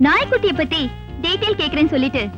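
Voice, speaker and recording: Very high, affected female voice for a woman showing off, on a dull film soundtrack. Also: animated, very fast, fairly bright tone, soft background music. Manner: affected, showing off modern tastes. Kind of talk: 1990s film comedy acting.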